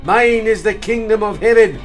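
A man's voice: high-pitched, normal speed, soft background music, lightly acted. An actor playing a proud, menacing old king, commanding and sneering in an audio drama. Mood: scornful. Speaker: villain.

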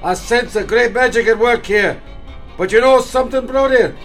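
Man voicing old king, scornful, high-set voice, commanding. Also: normal speed, a bit bright, soft background music. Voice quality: commanding, sneering. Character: old proud menacing Irish king. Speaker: villain. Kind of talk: audio drama acting.

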